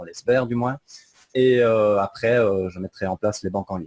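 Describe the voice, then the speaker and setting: The sound is dry and close with no echo as a man speaks at a moderate pace in a medium pitch with ordinary pitch variation. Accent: Belgian. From Belgium. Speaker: online seller of spiritual services. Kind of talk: interview.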